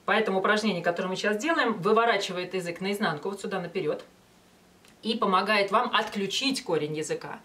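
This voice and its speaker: Female voice teacher, 40s, mid-range pitch. Explanatory lesson delivery with thinking pauses, miked from a short distance. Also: fairly bright tone. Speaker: vocal coach. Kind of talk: instructional talk with short sung demonstrations. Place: small indoor studio with banner backdrop. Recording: voice some distance from mic.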